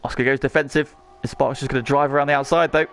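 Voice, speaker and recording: A man's voice: mid-range voice, little pitch movement, racing, a bit bright, a little hiss or hum. A man working as lead motorsport commentator on a race, calling the action in short present-tense phrases.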